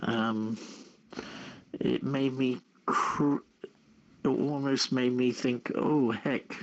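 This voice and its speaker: A man hosting an unscripted call-in show, speaking in a halting, hesitant way. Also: medium pitch, fairly even intonation, dull audio. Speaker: radio show host.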